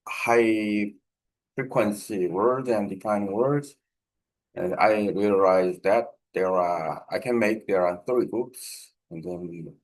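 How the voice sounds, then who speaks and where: Man, Korean accent, low-pitched, very slow, halting non-fluent English, informal explanatory monologue. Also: low-quality recording. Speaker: language learner explaining a speaking practice project.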